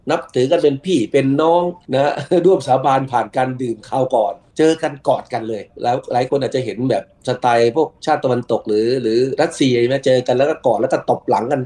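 A middle-aged man with a dark, mellow voice talks through cultural customs as an interview guest. He explains patiently and at length, softening his points with polite particles. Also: medium pitch, fairly quick, few pauses. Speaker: guest expert on Chinese business culture.

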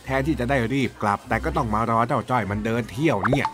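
A cranky, bossy old uncle from a children's radio play, voiced by a man. He sits at an ordinary middle pitch and scolds in rustic, blustery speech. Music plays clearly beneath him. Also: quick pace, fairly bright tone, natural voice. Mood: impatient. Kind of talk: children's radio drama acting. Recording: music playing underneath.

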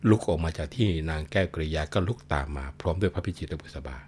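A man telling a classic tale in an animated, conversational way. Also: rumbling low, fast talker, husky. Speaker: storyteller. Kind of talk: casual storytelling of a classic tale.

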